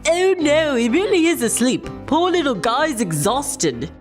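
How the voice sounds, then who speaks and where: A woman acts out a whimsical, impolite storybook hatter, an eccentric fellow. The voice is high and very sing-song in its swings, with soft music behind. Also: sing-song, a little slow. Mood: dotty. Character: odd, rude, whimsical male Mad Hatter. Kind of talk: children's storybook character voice.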